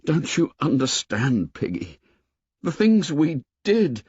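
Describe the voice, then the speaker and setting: A man voicing a shaken boy leader who speaks low and haltingly. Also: wildly swooping pitch, a little mellow, slightly rough, dry recording, muffled recording, full character voice. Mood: stricken.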